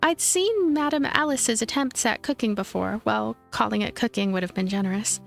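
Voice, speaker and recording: A woman's voice: a little high, normal speed, creaky. A woman narrating a visual novel as a let's play host, reading the story expressively. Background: background music.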